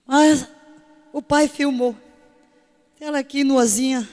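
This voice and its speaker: A woman's voice: high-pitched, fairly even intonation, slow pace, darkish tone. Emphatic woman preaching in a church hall. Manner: emphatic, with many rhetorical questions. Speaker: apostle preaching to her congregation. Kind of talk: sermon. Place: church service.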